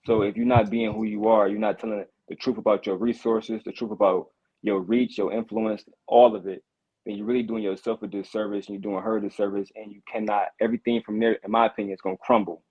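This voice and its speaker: A man from Detroit calls in over a thin, phone-like line. His voice sits low. He talks earnestly, in short halting fragments. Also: little pitch movement, slightly rough. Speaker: caller. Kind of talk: casual live-audio chat.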